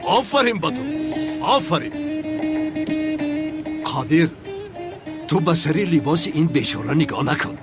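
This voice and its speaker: A loyal, protective young man, dubbed by a man who pushes back insistently. His voice sits high for a man. Clear music runs underneath. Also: big pitch swings, long pauses. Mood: defiant. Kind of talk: film dub.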